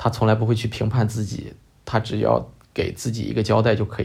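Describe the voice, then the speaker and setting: Vocal fry runs through a man's fairly low-pitched voice as he talks at a moderate pace. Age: 30s. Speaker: extreme sports enthusiast, skydiver. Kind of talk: interview conversation.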